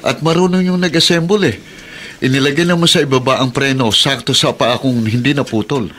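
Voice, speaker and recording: A man's voice: medium pitch, fairly even intonation, brisk, a bit bright, a little hiss or hum, natural voice. A man playing a humble, determined disabled father and grateful son in a radio drama. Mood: proud, excited.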